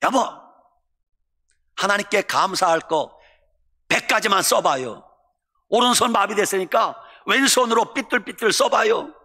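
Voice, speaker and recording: A man's voice: animated, measured pace, long pauses, sharp tone, exaggerated voice. A preacher voicing an exasperated middle-aged pastor's wife who shrilly scolds and nags her husband. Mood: coaxing. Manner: shrill, insistent, nagging. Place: church sanctuary. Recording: echoey church hall.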